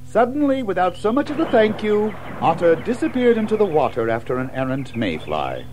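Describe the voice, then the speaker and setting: A man narrating a children's story from a script in an expressive storytelling style. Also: high-pitched, brisk, background noise. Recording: music behind narration.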